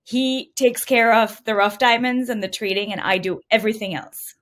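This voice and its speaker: A woman's voice: on the high side, normal speed, a bit bright. Woman from India telling her story. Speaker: podcast guest, entrepreneur. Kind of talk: conversational interview answers, telling own story.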